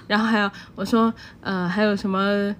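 A woman's voice: medium pitch, little pitch movement, normal speed. A woman from China telling travel stories in casual podcast chat, laughing often. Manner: chatty storyteller, laughs often. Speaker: podcast co-host.

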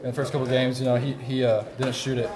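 Fast, flat-toned young man, crowd behind. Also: mid-range voice, low-quality recording. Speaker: basketball player being interviewed. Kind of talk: casual post-game interview. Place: gymnasium after a game.

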